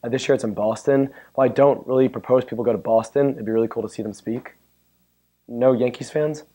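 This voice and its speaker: A man with a hoarse, worn-out voice giving a chatty, joking technical talk at a conference and bantering with the audience. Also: medium pitch, steady tone, fast, dark tone. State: hoarse, losing his voice. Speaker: conference speaker. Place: conference room. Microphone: handheld or stand mic.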